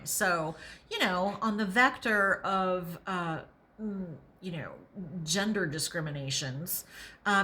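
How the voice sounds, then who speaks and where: A woman hosting a podcast, reading aloud and adding opinionated, emphatic commentary, sometimes pausing to think out loud. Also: mid-range voice. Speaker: podcast host and reader.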